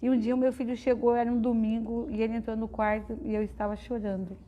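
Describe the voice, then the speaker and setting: A woman's voice: on the high side, level tone, fast, mellow, muffled recording. Heartfelt middle-aged woman giving testimony. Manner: heartfelt, conversational, with frequent fillers. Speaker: guest speaker at a spiritist study center. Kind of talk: personal testimony talk.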